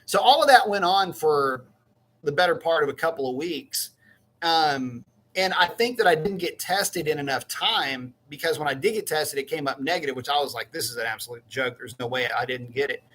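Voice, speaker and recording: A man's voice: a little high, expressive, moderate pace, fairly bright tone, slight background noise. Rambling, folksy live-stream host, a man. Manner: rambling, self-correcting, folksy. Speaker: livestream host. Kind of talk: casual live-stream chat.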